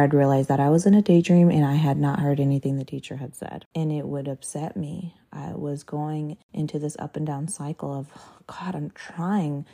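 A woman's voice: sits low, warm tone. A woman in her thirties, a podcast host whose first language is Portuguese, speaking candidly and emotionally about her life. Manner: candid, emotional, occasionally laughing at herself. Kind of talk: personal reflective monologue.

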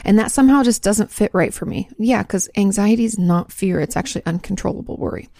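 This fast-talking podcast host, a marriage and family therapist, has a mellow, mid-range voice with vocal fry. She chats casually through listener questions, correcting herself along the way and laughing when she slips up; the studio sound is clean with no echo.

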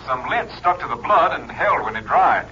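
An American actor playing a brisk, clipped, official police captain in a 1950s radio drama. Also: male voice, a little high, big pitch swings, sharp tone, muffled recording, a little hiss or hum. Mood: businesslike. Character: brisk police captain reporting lab findings. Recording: thin, band-limited old radio recording.

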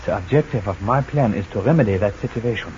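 A man's voice: fairly low pitch, fast talker, a little mellow, natural voice. A man playing a curt resistance fighter with stiff foreign word order, in old-time radio drama style. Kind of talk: 1940s radio acting. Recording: dull old radio recording, faint hiss.

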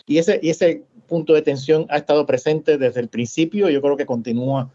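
Measured Cuban-born man, Puerto Rican accent. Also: a little high, steady tone, warm tone. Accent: Puerto Rican Spanish with Cuban traces. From Cuba. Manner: measured, many hesitations and restarts. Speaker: scholar. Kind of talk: academic discussion. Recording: dull lo-fi audio.

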